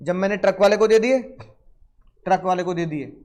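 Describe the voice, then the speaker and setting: A man gives a classroom law lecture in a storytelling manner. He keeps quizzing his students and drops English legal terms into his speech. His voice sits fairly high. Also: normal speed. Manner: lively, storytelling, asks students questions. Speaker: law teacher.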